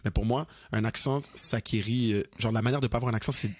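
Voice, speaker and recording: A young man with a Québécois French accent, co-hosting a podcast in casual, animated chat, mixing in English and slang. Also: medium pitch, quick pace, breathy edge, dry recording. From Quebec, Canada. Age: young adult. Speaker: podcast co-host.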